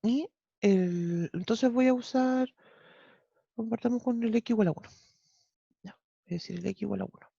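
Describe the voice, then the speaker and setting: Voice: medium pitch, moderate pace, creaky, pauses often, mellow, husky, no room sound. A math teacher with a Chilean accent, teaching an online class step by step and often checking in with the students. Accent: Chilean Spanish. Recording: dull lo-fi online class audio.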